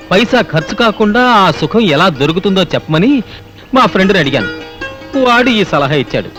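An actor playing a middle-class man groaning over tight shoes and feeling sorry for himself in a film comedy. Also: high-pitched. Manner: groaning, self-pitying.

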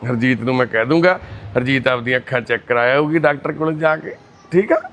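A man chatting gently and reassuringly with residents of a shelter, greeting the women as mothers and sisters. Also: medium pitch, fast, a little hiss or hum. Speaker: charity volunteer visiting residents. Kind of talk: casual chat with care-home residents. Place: indoor shelter for destitute people.

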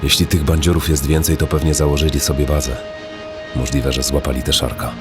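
Very deep-voiced grim father. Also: little pitch movement, fairly quick. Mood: grave, reasoning. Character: grim, plain-spoken deserter father searching for boy. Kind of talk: audio horror drama acting. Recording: music behind the voice.

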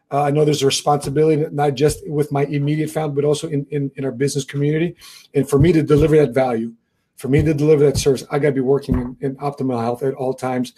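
A man in his forties hosting a business talk show, talking in an energetic, friendly way. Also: a little high, husky. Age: 40s. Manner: energetic, friendly, hyped sign-offs. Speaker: show host. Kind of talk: casual hosting chat.

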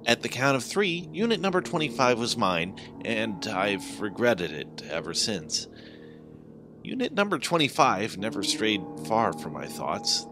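A man reading a first-person horror story as a scripted, dramatic narration in an expressive, deliberate way. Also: lowish voice. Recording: background music under the voice. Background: music.

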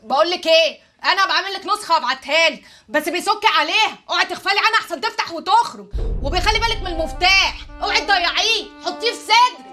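An actress playing a brash, sharp-tongued working-class young woman with an Egyptian accent who scolds bluntly. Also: very high-pitched, racing, soft background music. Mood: scolding. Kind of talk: TV drama acting.

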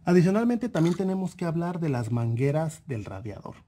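A man calmly walking through a car engine repair lesson, pointing out parts one by one and repeating key points. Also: fairly high pitch, brisk. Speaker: auto mechanic instructor. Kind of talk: explanatory car repair tutorial voice-over.

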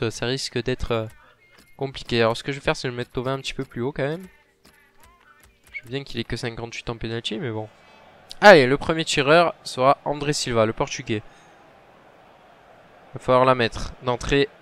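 A man commentating his own football video game match, muttering between plays and shouting when goals go in. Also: medium pitch, slight background noise. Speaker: gaming commentator.

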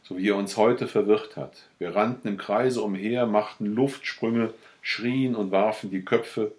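A man narrating a classic literary story as an audiobook, in a measured storytelling manner. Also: fairly low pitch, fairly even intonation, a little mellow. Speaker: audiobook reader.

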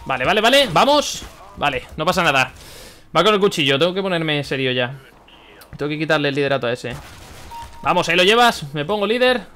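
A young man from commenting on his own gameplay, excitable, swearing and shouting at the game. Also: fairly high pitch, fairly quick, long pauses. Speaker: gaming YouTuber.

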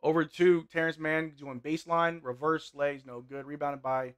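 Bright-voiced young man calling a game. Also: a little high, moderate pace, clean tone. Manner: play-by-play calls mixed with relaxed banter. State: voice getting hoarse. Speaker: sports watch-along streamer. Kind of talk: live game commentary and chat reading. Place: small indoor room with gaming chair.

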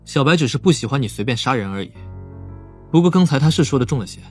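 A man's voice: medium pitch, expressive, fast talker, lightly acted. A man playing a clever, composed young police psychologist in an audiobook drama, probing and explaining. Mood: probing, calm. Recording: dry voice over soft music.

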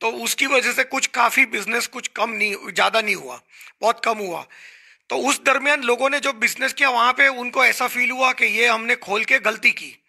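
A man's voice: extremely high pitch, moderate pace, vocal fry, sharp tone. A middle-aged man with an Indian accent, a hotel association guest on a talk show, explaining earnestly into a handheld mic in a small studio. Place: small studio set, indoors.

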